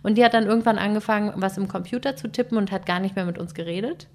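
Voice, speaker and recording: Animated woman telling an exasperated story. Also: medium pitch, fast talker, slight background noise. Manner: animated, exasperated retelling with acted-out quotes. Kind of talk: casual storytelling chat.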